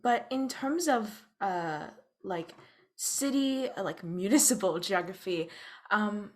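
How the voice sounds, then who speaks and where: A woman's voice: mid-range voice, lively intonation, slow. A young woman chatting casually as a guest, hesitant and self-deprecating. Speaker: playwright, roundtable guest. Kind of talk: casual chat.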